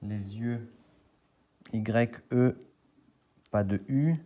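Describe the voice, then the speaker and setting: A man's voice: on the low side, drawn-out words, dark tone, dull audio. A man casually thinking aloud and spelling out letters as he scratches lottery tickets for a video.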